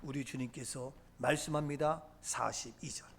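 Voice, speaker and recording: A middle-aged male pastor preaching a sermon with emphasis, moving between loud declarations and low murmurs and acting out quoted lines. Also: steady tone, moderate pace, gravelly, husky. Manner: acts out quoted lines of Jesus and the crowd.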